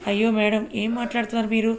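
A woman's voice: a little high, little pitch movement, very fast, slight background noise, natural voice. A woman reading a pleading young man.

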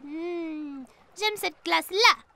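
A tiny excitable cartoon boy, super high and bright, talks slowish, sweet and curious. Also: gravelly, heavily acted. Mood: eager, pondering. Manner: childlike, exclamatory. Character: eager, curious four-year-old boy, sweet and excitable. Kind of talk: cartoon dub acting.

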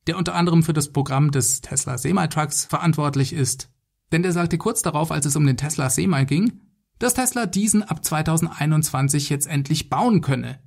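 A man's voice: a little high, gravelly, darkish tone, breathy edge. A man hosting a solo podcast, giving semi-scripted commentary in a conversational way, speaking directly to his listeners. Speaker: podcast host.

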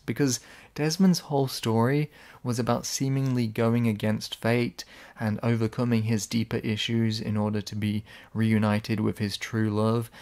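A man's voice: mid-range voice, a little mellow. A man giving casual, sarcastic video essay commentary. He is blunt, swears when annoyed, and his voice sounds slightly worn.

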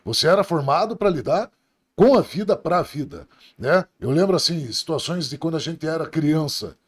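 Animated, blunt middle-aged man. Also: on the high side, moderate pace, husky. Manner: profane, blunt, laughing. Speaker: police officer guest. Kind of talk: casual podcast storytelling.

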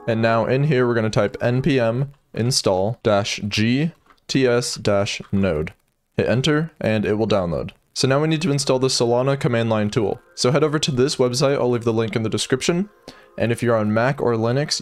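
A young man hosting a coding tutorial, walking through each step in a steady, plain manner, recorded on a desk mic in a small home studio. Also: mid-range voice. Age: young adult. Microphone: seen studio desk mic on arm.

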